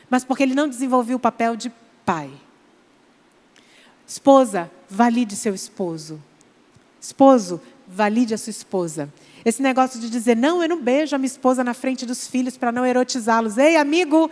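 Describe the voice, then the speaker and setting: A Brazilian woman from Manaus preaches with animated, direct appeals to her congregation. Her voice sits high. The sound carries a long reverb from a large church hall. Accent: Brazilian Portuguese, Manaus. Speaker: psychologist, guest speaker. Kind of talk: church sermon.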